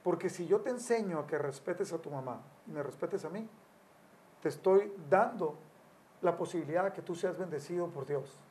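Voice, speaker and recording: A man's voice: fairly high pitch, moderate pace, darkish tone, slight background noise. A man in his sixties, a family counselor, giving Christian teaching on parenting in a storytelling way. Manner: storytelling, acts out quotes with raised voice.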